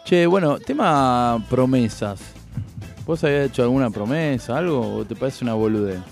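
An Argentine man with a Rioplatense accent trades stories in a relaxed football talk show, his voice rough and gravelly at an ordinary pitch. He tells his anecdotes in an animated, jokey way. Soft music runs faintly behind him. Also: moderate pace. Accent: Argentine Rioplatense Spanish. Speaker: co-host. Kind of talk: casual football chat.

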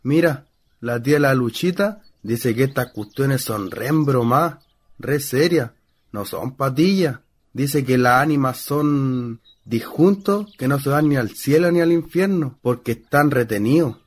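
A man's voice: mid-range voice, lively intonation, a little slow. An actor playing a superstitious, gossipy young country man in a radio play, earnest and folksy, with a rural Chilean accent. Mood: confiding, earnest. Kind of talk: stage-style radio play acting.

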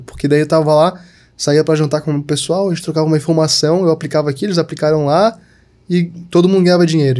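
Fast-talking young man, mellow voice. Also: a little high. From Santa Catarina, Brazil. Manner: chatty, many fillers like tipo and sabe. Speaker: podcast guest, digital marketer. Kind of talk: casual chat.

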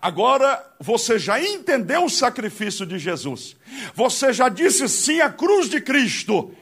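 A man preaching a sermon, emphatic, questioning the congregation and swinging from hushed tones to shouts. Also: very high voice, very animated, unhurried, breathy edge.

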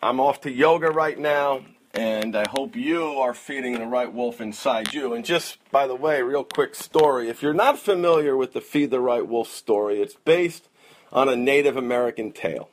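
A man's voice: medium pitch, moderate pace, slight background noise. A man talking casually and earnestly to his listeners as a coach and host, with an encouraging manner. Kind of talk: casual direct address to listeners.

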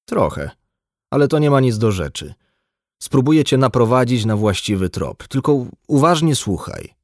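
A man voicing a blunt, embittered, drunk male doctor in an audiobook, gruff and lecturing. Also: mid-range voice, very animated, normal speed, darkish tone, dry recording, clean studio sound, voice pushed up. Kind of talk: audiobook dialogue.

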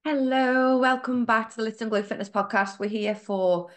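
A woman's voice: a little high, normal speed. A young woman hosting her fitness podcast, talking in a chatty, encouraging way with frequent ums and likes. Her voice sounds nasal and blocked up from a cold. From United Kingdom. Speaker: podcast host, fitness coach. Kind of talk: casual solo podcast talk.

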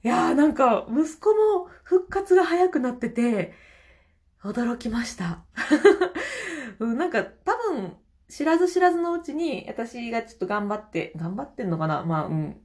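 A woman's voice: on the high side, sing-song, a little slow, a little mellow. A woman with a Kansai accent hosting a casual solo audio chat, laughing often between phrases and reacting aloud to listener comments. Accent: Kansai Japanese. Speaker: podcast host.

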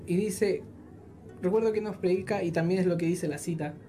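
A woman's voice: fairly low pitch, warm tone, soft background music. A woman who volunteers in a church audio team gives an earnest personal faith testimony, often stopping to restart her sentences. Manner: earnest, halting with many restarts.

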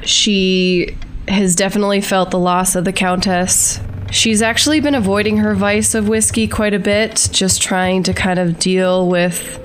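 A woman's voice: medium pitch, steady tone, measured pace, a little hiss or hum. A woman casually describing her tabletop game character as a player on a show.

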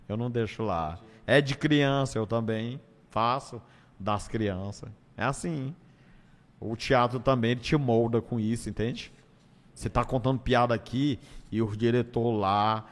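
This medium-pitched comedian from northeastern Brazil is a guest in an interview, spinning casual stories in a colloquial manner. He acts out moments and repeats phrases, and the room adds a long reverb like a hall.

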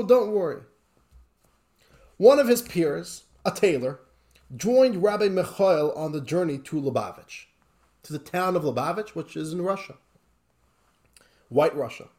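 A man teaching a Torah class, telling a story in a lively, conversational way with emotional emphasis. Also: on the high side.

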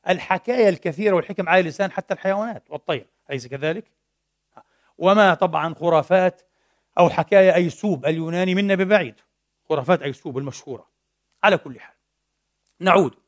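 Man, middle-aged, sermon, high voice, animated storyteller, formal and colloquial mix. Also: fast, pauses often. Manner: animated storytelling, mixing classical and colloquial Arabic. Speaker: preacher. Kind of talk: Friday sermon. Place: mosque.

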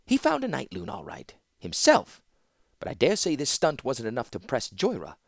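A man's voice: medium pitch, huge pitch swings, moderate pace, vocal fry, no room sound, clean studio sound, pitched above the performer's own voice, exaggerated voice. A man voicing a stern, commanding older male master mage. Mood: cold. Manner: sharp, commanding.

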